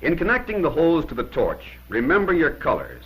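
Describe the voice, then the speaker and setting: A man's voice: fairly high pitch, huge pitch swings, brisk, a bit bright, husky, low-quality recording. A man narrating a 1950s instructional film in an emphatic, plain-spoken way, giving short commands on an old film soundtrack.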